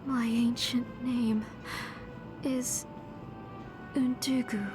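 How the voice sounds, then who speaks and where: A woman's voice: fairly high pitch, flat delivery, extremely slow. An actress playing a grieving, desperate mother in a video game, faltering and emotional in her stubborn denial. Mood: shaken. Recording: clear music under the voice.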